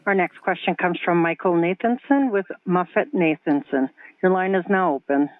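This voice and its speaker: A man's voice: sits high, normal speed. A male conference call operator making formal scripted announcements over a narrow phone line.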